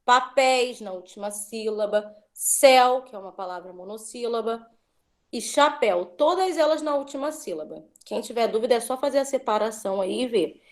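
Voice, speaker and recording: A woman's voice: fairly high pitch, animated, normal speed. A woman teacher giving an online class, patiently drawing out words as she drills syllables.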